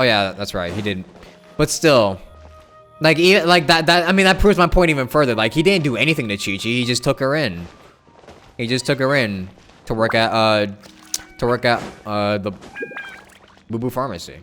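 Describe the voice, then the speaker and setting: A man chatting casually on a game livestream, thinking aloud in a halting way and repeating his phrases. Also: medium pitch, fairly bright tone, faint music behind. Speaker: game streamer. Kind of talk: casual livestream chat with viewers.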